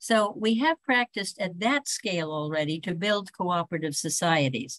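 With an American accent, a woman speaks at a moderate pace with very wide pitch swings, the sound dry with no echo and the background quiet. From US Northeast, Mohawk territory; New York. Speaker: evolution biologist and futurist; interview guest. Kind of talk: interview. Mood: warm, engaged. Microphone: video call.

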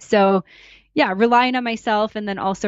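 Recorded with a dry, close sound and no echo, a woman with a Canadian accent uses an unremarkable speaking voice, fairly even intonation and a moderate pace. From Canada. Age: 20s. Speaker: travel podcaster and digital nomad. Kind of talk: interview conversation.

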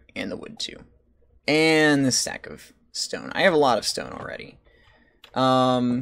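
A man at a fairly slow pace with ordinary pitch variation and big swings in loudness. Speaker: gaming streamer. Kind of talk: casual gameplay commentary.

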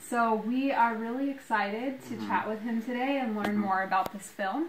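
Over noticeable background noise, a woman speaks at a fairly high pitch with ordinary pitch variation. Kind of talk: interview questions. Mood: warm, friendly. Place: home room. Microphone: camera far.

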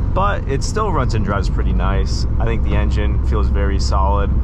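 A dry sound with no echo, a moderate pace and loud background noise. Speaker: car owner vlogger. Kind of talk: casual vlog chat. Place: car. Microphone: phone near.

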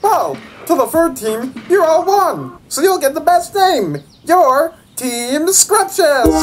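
This cartoonish character voice sits at a high pitch. It moves at a fairly slow pace. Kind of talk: comic cartoon voice acting. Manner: snide, petty, childish.

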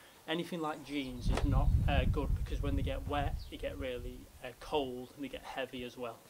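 Against loud background noise, a man talks at a moderate pace. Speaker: youth expedition instructor. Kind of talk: tutorial. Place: garden.

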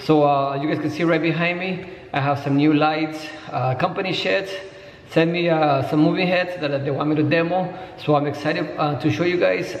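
A man's voice at a moderate pace, fairly even intonation and audible room echo. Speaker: DJ reviewing lights. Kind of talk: casual vlog chat. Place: garage. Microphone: phone near.

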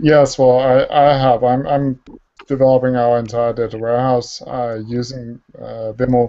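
Monotone, flat intonation at a moderate pace, with a Danish accent and a quiet background. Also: man, medium pitch for a man. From Denmark, Copenhagen. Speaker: BI developer. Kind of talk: video call panel discussion. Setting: video call. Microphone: video call.

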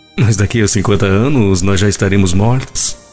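A man at a fairly low pitch with fairly even intonation, music in the background. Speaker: radio announcer and narrator of reflection messages. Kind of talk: narrated parable / motivational reflection.

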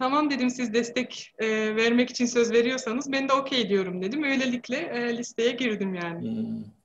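There is light background noise behind a woman's voice. She speaks at a high pitch with ordinary pitch variation. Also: moderate pace. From Germany (Turkish-origin family, Hesse). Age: 30s. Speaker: teacher and local election candidate; election candidate. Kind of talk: interview. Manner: hesitant, many fillers. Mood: friendly, smiling. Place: home room. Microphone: video call.

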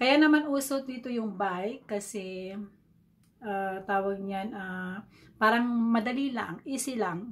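Somewhat breathy, a woman talks at a fairly high pitch with ordinary pitch variation. Her pace is very slow. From Philippines, Ilocano-speaking; Philippines. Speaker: vlogger. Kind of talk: casual vlog talk to camera. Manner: hesitant, many fillers. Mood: friendly, smiling.

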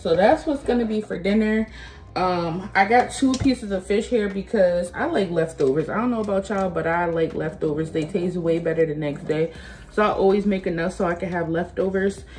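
A woman speaks at a fairly quick pace with ordinary pitch variation, light background noise present. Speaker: vlogger. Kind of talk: casual cooking vlog chat. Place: kitchen. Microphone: phone near.

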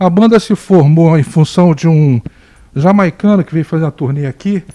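A man talks at a fairly slow pace in a dark, mellow tone. The background is quiet. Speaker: musician. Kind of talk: interview. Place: home room. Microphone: handheld.

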